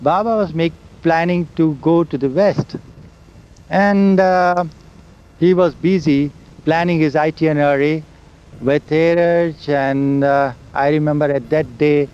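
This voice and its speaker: An older man, slowly recalling old memories in an oral history interview, with a loud voice. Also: on the high side, steady tone, smooth. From India. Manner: slow, halting storytelling of memories. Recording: dull lo-fi recording with faint hiss and vehicle sounds.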